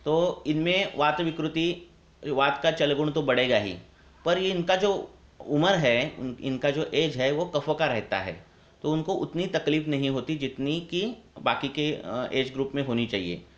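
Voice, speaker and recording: A man acting as an Ayurvedic doctor, explaining answers in a measured way with frequent hesitations over an echoey online call. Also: a little high, lively intonation, highs cut off. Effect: echoey call audio.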